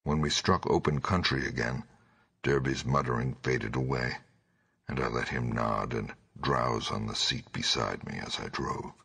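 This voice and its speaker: A man with a gravelly, raspy voice giving a measured, grave reading of gothic horror as an audiobook narrator. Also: rumbling low, bright, forceful tone.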